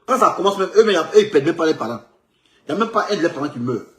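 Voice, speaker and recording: Guy going on and on about a photo, lots of repeating, a bit high, roomy echo. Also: racing. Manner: animated, repetitive, stumbling restarts. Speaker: political commentator. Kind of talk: rambling commentary on a photo. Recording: echoey room.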